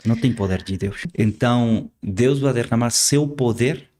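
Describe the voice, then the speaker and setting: A man from Argentina with an Argentine Spanish accent, a native Spanish speaker who talks earnestly and haltingly, repeating words as he preaches in an interview. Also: medium pitch, a little mellow. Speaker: guest preacher.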